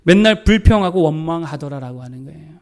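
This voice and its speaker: A male pastor preaching a sermon, asking the congregation one rhetorical question after another. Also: fast. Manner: asks the congregation rhetorical questions, animated swings of pitch and volume. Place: church sanctuary.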